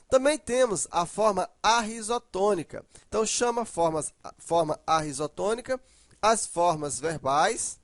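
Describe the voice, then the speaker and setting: A man's voice: high-pitched, no room sound, clean studio sound. A man teaching a grammar lesson, explaining patiently and stressing syllables aloud with frequent tag questions.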